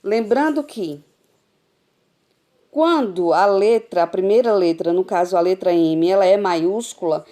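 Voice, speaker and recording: A woman teacher giving a recorded adult literacy lesson over a phone, sounding out syllables slowly and patiently. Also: medium pitch, warm tone. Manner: slow, patient, drawn-out syllables.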